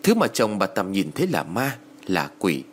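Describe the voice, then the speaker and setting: Expressive male storyteller. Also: low-pitched, moderate pace. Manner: dramatic, expressive reading. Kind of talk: scripted story narration. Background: faint music.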